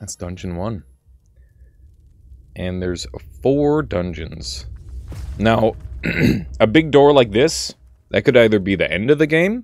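At a fairly slow pace, a man with a fairly low pitch talks with very wide pitch swings, big swings in loudness, and long, frequent pauses. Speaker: gaming YouTuber. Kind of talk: let's play commentary. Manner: casual, halting.

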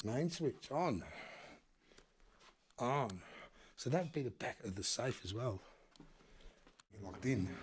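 A somewhat breathy man speaks at a fairly slow pace. His intonation is lively, with light background noise behind him. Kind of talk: casual vlog commentary. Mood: excited, amazed. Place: office. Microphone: phone near.

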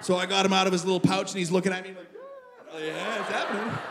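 Over noticeable background noise, a man talks at a high pitch in an animated tone. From Canada. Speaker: stand-up comedian. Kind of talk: stand-up comedy storytelling, acting out panicked inner monologue. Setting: stage with audience. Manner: animated, building to frantic mock-panic; does mimicking voices of characters and accents. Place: stage. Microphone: handheld.

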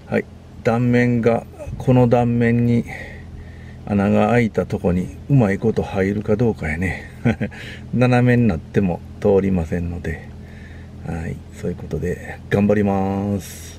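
Light background noise sits behind a man speaking fairly slowly at a fairly low pitch. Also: ordinary pitch variation. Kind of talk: casual DIY commentary. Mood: relaxed, mutters to himself. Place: car. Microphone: phone near.

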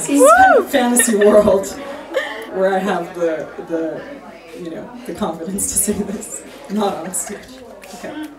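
A woman with an American accent, long and frequent pauses, and loud background noise. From California. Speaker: performance artist. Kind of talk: spoken word performance. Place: stage.

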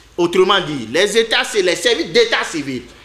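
Lively in intonation, a man with a high voice speaks amid audible room echo. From Benin. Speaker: local politician. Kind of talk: political speech. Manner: halting, many hesitations. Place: home room.

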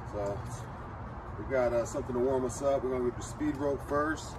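Talking fairly quickly, a man is heard against noticeable background noise. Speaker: fitness channel host. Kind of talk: casual workout tutorial. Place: garden. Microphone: camera far.

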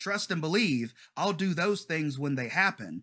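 A man's bright, sharp tone over a quiet background. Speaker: reaction channel host. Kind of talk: casual vlog chat. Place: home room. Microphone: studio mic.

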